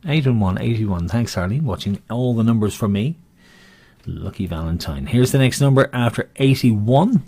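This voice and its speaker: A man with a husky voice acts as bingo caller and host. His pitch swings in a lively way as he calls numbers with rhyming nicknames, drifting into jokey, rambling chat between calls. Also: normal speed, no echo. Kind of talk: bingo calling with rhyming nicknames, casual banter.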